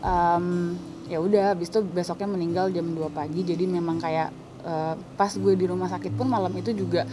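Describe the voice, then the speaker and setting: Halting young woman, low voice. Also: fairly even intonation, noisy background. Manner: halting, searching for words. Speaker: panel guest. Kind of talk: casual conversation. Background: soft music.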